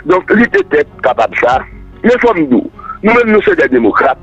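Emphatic man with lively pitch. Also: moderate pace, slightly rough, highs cut off, soft background music. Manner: emphatic, repetitive, declaiming. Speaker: political guest. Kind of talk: radio interview answers.

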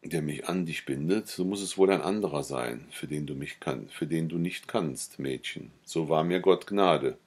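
A man's voice: extremely low pitch, moderate pace, few pauses, darkish tone, slightly rough, exaggerated voice. A man reading Filippo, a desperate lovesick nobleman. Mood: pleading, desperate. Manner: pleading, impassioned.

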